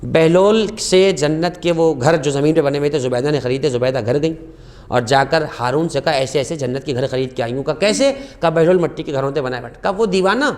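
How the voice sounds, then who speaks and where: A man speaking as a guest scholar on a religious talk show, telling stories with passion, rising sharply on key phrases and reciting Arabic quotations slowly. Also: medium pitch, a little mellow.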